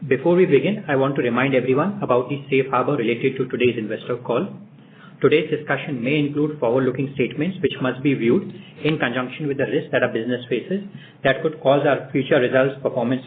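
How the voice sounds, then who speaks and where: A man with an Indian accent, a corporate executive giving a scripted introduction as host of a business call. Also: mid-range voice. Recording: narrow phone line, faint noise.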